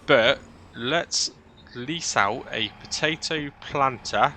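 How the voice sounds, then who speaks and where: Over loud engine ambience that sounds like a vehicle, a British gaming host speaks slowly in a mid-range, sharp-toned voice. His commentary is casual and chatty, a stream of thinking aloud in which he keeps tagging questions onto his own comments.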